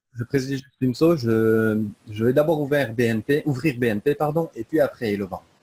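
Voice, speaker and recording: A man's medium-pitched, dark and mellow, somewhat breathy voice in a Belgian accent, with ordinary pitch variation and a fairly quick pace. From Belgium. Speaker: online seller of spiritual services. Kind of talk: interview.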